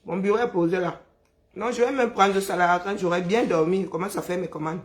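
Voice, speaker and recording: A Cameroonian woman with a hoarse, broken voice, chatting casually on a live stream and greeting viewers by name, exhausted, teasing, humming and sighing between remarks. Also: fairly low pitch. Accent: Cameroonian French. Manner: chatty, teasing, drawn-out sighs and hums. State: hoarse, worn-out voice.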